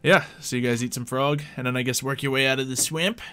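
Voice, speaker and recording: A man's voice: medium pitch, quick pace, bright, forceful tone, clean tone. A man speaking casually as game master of a tabletop roleplaying game, narrating and chatting with players. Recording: music behind the voice. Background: music.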